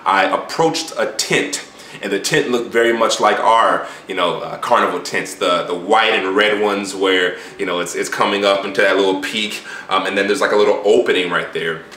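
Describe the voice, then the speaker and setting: A man recounts a dream in a casual, puzzled and musing monologue. His voice is fairly low but bright and forward, and he rambles conversationally with slangy asides. The room is echoey, with faint noise behind him. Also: normal speed. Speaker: YouTuber recounting a dream to viewers.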